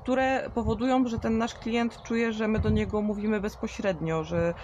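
Outdoors in a garden, a woman in her thirties who trains beauty salons in marketing answers viewer questions on a livestream. She explains in a chatty manner with many fillers, speaking at normal speed in a fairly high voice with fairly even intonation, amid background noise.

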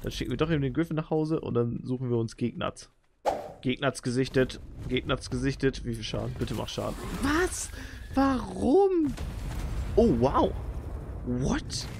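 A young man giving excitable, slangy commentary while playing a video game as a channel host. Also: fairly high pitch, moderate pace, creaky, background noise. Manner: excitable, slangy, frequent exclamations. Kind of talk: let's play commentary.

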